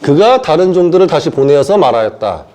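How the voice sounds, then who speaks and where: A male preacher with a mellow, relaxed tone gives a sermon. His pitch swings widely as he acts out the characters in the stories. He keeps stopping to ask the congregation whether they follow him. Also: a little fast. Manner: animated storytelling, acting out voices of Jesus and Peter; asks the listeners if they understand.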